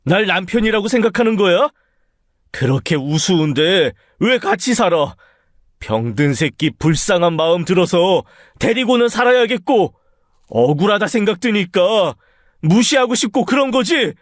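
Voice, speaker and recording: A man's voice: high-pitched, very animated, moderate pace, no echo, studio quality. A man voicing an irritable, sick middle-aged husband who harshly scolds his wife in a radio story drama. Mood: bitter. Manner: harsh, nagging, rising to shouts.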